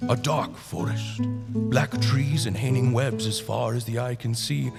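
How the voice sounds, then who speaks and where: A man's voice: medium pitch, fairly even intonation, measured pace, vocal fry. A young adult man narrating a scripted fairy tale for live radio. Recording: plucked guitar music behind. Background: prominent live guitar music.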